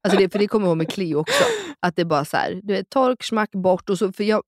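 Lively young woman telling stories. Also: mid-range voice, no room sound, studio quality. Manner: animated storytelling, acting out quotes. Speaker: podcast co-host. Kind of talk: candid casual chat.

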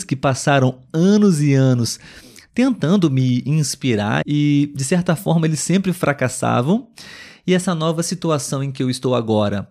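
A Brazilian man hosting a podcast for Portuguese learners. He talks alone in a clear, patient way and keeps checking in with his listeners. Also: fairly high pitch, a little mellow. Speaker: podcast host and Portuguese tutor. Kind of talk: solo educational podcast monologue for learners.

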